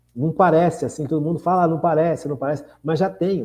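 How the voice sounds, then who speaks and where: A man talks in a dark, mellow tone. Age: 60s. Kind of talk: religious formation talk.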